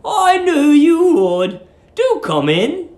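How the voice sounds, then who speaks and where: A man voicing a sweet, eerily eager middle-aged English landlady in a cooing, genteel manner with drawn-out emphasis. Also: extremely high pitch, huge pitch swings, darkish tone, echoey room, pitched above the performer's own voice, heavily acted. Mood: sweetly coaxing.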